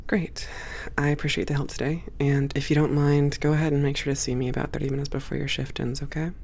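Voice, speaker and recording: A woman's voice: low voice, little pitch movement, fast, darkish tone. A woman playing a strict but kind naga hangar boss, courteous and encouraging, in an ASMR audio drama. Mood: firm, encouraging. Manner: composed, courteous, encouraging, managerial.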